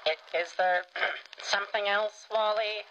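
A woman's voice: medium pitch, fairly even intonation, slow, sharp tone. A woman playing a fussy, orderly male puppet in a cartoon, hesitant and exasperated. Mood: flustered. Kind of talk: animated cartoon dialogue. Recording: slightly noisy, dull audio.

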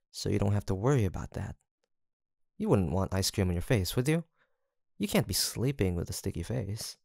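A man playing a gentle, teasing young college roommate in an intimate audio roleplay, with a soft-spoken, hesitant manner. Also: on the low side, vocal fry, no room sound, clean studio sound, full character voice. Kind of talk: intimate boyfriend-style roleplay acting, one-sided conversation.

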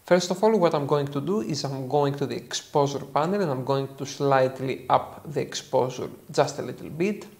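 A man's voice: medium pitch, a little mellow. Greek-accented man teaching photo editing. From Greece. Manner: earnest, step-by-step explaining with frequent "uh" pauses. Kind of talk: software tutorial narration. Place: dark studio indoors.

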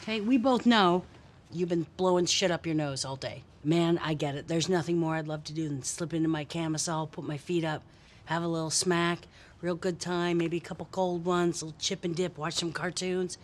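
An actress playing a brash, foul-mouthed tough cop with a blunt, intimidating manner in a comedy film. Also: female voice, on the low side, steady tone, brisk, close to an everyday voice. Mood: intimidating, sarcastic. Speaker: police detective.

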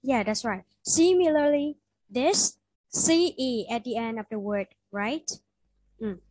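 A woman tutor with a Vietnamese accent works through English pronunciation over a video call. Her voice sits a little high and she talks slowly and patiently, repeating each word. The sound is dry and close. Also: a little mellow, dry recording, rough recording. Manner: patient, models words slowly and repeats them. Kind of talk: online pronunciation lesson.

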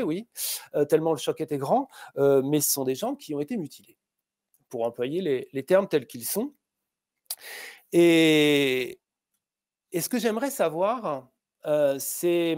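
A man's voice: on the high side, darkish tone, dry recording, studio quality. Hesitant male interviewer on a video call. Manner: hesitant, many filler sounds and restarts. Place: room with posters behind. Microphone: webcam on a video call.

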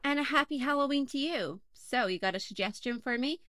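A woman's voice: high voice, expressive, fairly quick, fairly bright tone, no echo. A woman playing a chatty, wry podcast host who dismisses callers' suggestions, in an audio play.

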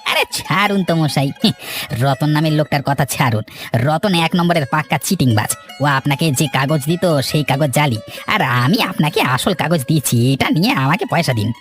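A man acting a cocky, fast-talking cartoon swindler. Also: on the high side, lively intonation, a bit bright, soft background music. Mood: boastful, wheedling. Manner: boastful, wheedling. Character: cocky, greedy village swindler, smooth-talking and treacherous. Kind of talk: dramatized cartoon villain dialogue.

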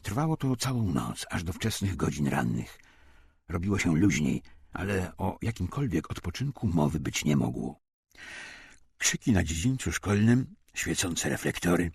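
Deep, gravelly male audiobook narrator. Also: dry recording. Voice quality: gravelly, husky. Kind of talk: dramatic scripted narration of a wartime memoir.

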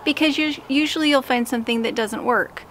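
A woman's voice: high-pitched, a little fast, fairly bright tone, a little hiss or hum. A woman in her thirties, a homesteading vlogger, explaining her building work in a casual, practical way outdoors, speaking to a camera held at arm's length. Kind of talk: casual how-to vlog. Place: small backyard outdoors.

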